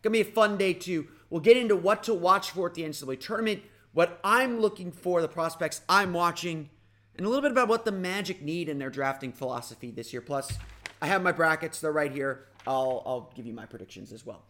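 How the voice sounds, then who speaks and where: A man hosting a casual sports podcast, talking energetically with a slightly raspy voice and frequent restarts. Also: on the high side, a little fast. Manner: energetic, rambling with restarts and fillers. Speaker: podcast host.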